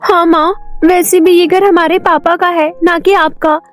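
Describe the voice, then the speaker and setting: Little cartoon sister, done by a woman narrator, very high, childlike, tearful. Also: flat delivery, a little slow, a bit bright, dry recording, faint music behind. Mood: pleading. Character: small frightened younger sister, little girl.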